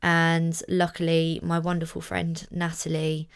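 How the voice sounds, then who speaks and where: A young woman hosting her podcast, talking casually with a husky voice hoarse from shouting, telling a rambling story. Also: deep voice, completely flat delivery, a little slow. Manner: chatty, rambling storytelling with fillers. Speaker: podcast host. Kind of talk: casual solo podcast chat.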